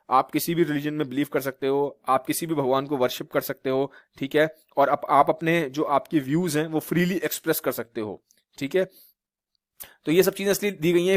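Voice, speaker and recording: A man teaching a class from Uttar Pradesh, India, lectures in Hindi mixed with English, with a slightly high voice. He often repeats rhetorical questions and checks in with a frequent "theek hai" to see that his students follow. The recording is dry and has clean studio sound.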